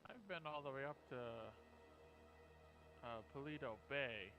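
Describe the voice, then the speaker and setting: A man's voice: mid-range voice, lively intonation, unhurried, bright, forceful tone, faint music behind, low-quality recording. A man chatting casually in character as a survivor in an online roleplay game. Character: Alex, helpful scavenging survivor in zombie roleplay.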